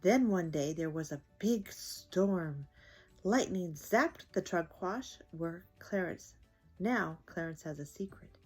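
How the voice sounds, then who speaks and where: A woman's voice: fairly low pitch, expressive, slow pace, a little mellow, husky, soft background music. An older woman hosting a children's story time, reading aloud expressively to young listeners.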